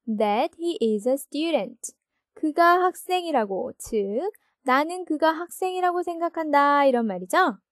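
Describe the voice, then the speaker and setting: Casting: high-pitched woman teacher, patient explainer, dry close sound. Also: no echo. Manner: patient, asks rhetorical check questions. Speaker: English teacher. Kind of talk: explaining a lesson.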